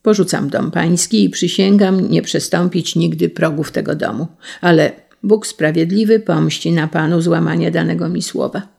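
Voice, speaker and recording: A reader voicing a bold young officer who speaks firmly and defiantly, with a gravelly voice. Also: medium pitch, normal speed, few pauses, darkish tone. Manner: firm, defiant.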